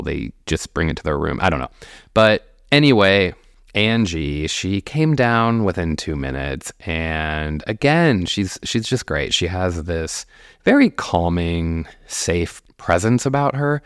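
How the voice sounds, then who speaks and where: A man with a low, resonant voice hosts his own podcast, recounting a personal story. He talks in a chatty, animated way and laughs often. The sound is close and dry. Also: clear, resonant tone, no room sound. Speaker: podcast host.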